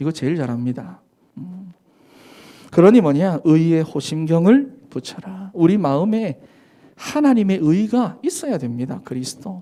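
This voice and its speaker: Pitched high for a man, his dark, mellow voice swings very widely in pitch at a fairly slow pace. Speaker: pastor. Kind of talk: sermon. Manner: animated.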